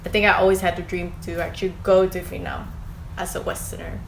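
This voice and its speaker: A woman's voice: lowish voice, level tone, fast, creaky. A young woman from the Netherlands, a podcast guest, chatting casually and thinking aloud with many fillers. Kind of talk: casual chat. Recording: echoey room with background noise.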